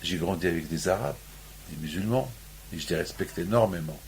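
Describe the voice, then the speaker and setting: A man's voice: low voice, expressive, a little fast, a little hiss or hum. A man from Morocco giving a sermon on the weekly Torah portion, restating his points over and over and rising into emphatic peaks. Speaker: rabbi.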